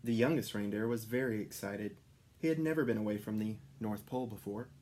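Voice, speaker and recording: A man reading a children's story aloud as an expressive narrator. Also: fairly low pitch, fairly quick. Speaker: storybook reader.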